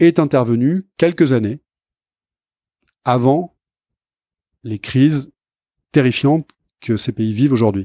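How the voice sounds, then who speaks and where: On a very clean recording with a silent background and a dry, close sound with no echo, a man's dark, mellow voice moves through very wide pitch swings. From France, Landes (southwest). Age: 40s. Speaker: journalist and think tank director. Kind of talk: podcast interview. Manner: halting, many repetitions and hesitations.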